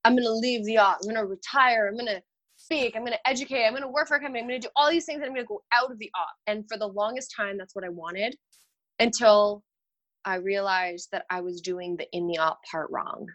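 A Romanian dental hygienist, a guest on a casual podcast interview, talks candidly and with animation about her work and life, laughing at herself. Her voice is medium-pitched and quick.

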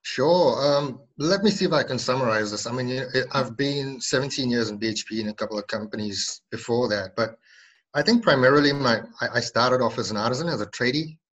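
A man's voice: mid-range voice, a little fast, fairly bright tone, rough recording. A man in his forties from South Africa, a podcast guest chatting casually, jokey and often laughing, with plenty of ums. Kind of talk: casual interview chat.

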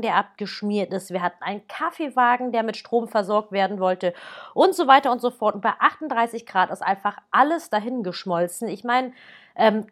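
A woman in her thirties who works as a wedding planner talks to the listener in a lively, familiar way. Her voice sits slightly high, and she chats freely as she explains things. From Germany. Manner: chatty, lively, speaks directly to the listener. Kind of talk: casual advice talk to a listener.

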